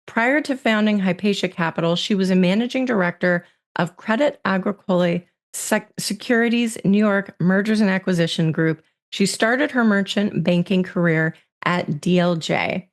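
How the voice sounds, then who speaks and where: A woman hosts a business podcast with an upbeat delivery. Her voice sits at a middle pitch as she reads a scripted intro and guest bio, then moves into the interview. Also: moderate pace, hardly any pauses. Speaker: podcast host.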